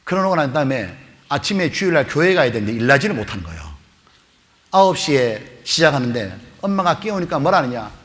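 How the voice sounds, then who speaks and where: A man preaching to a youth retreat, telling a story with animated voices for the mother and the kids. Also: mid-range voice, a little fast. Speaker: pastor. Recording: long hall reverb.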